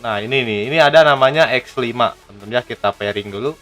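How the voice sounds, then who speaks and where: A man's voice: mid-range voice, fast, fairly bright tone, soft background music. Casual man reviewing gadgets. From Indonesia. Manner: chatty, addresses viewers as friends. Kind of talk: casual product review, hands-on demonstration.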